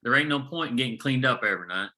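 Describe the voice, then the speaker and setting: A man playing a gruff, world-weary, foul-mouthed veteran coal miner in a screenplay table read, with a sardonic, folksy delivery. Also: medium pitch, animated, racing, bright, forceful tone. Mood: grim warning.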